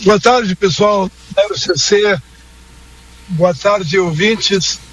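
A man's voice: high voice, drawn-out words, fairly bright tone, slight background noise. A man, calling in by phone to a live radio show as a guest, talking hesitantly with many fillers and restarts. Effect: heard over a phone line. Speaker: guest, event organizer calling in.

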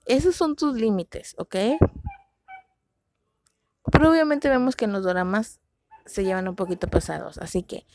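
A woman's voice: mid-range voice, darkish tone. A young Mexican woman chatting casually about dramas and dating limits, slangy and self-mocking. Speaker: vlogger.

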